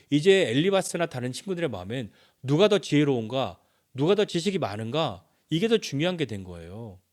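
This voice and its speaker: A male pastor preaching a sermon and acting out the dialogue as he speaks. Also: a little high. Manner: animated, acts out dialogue.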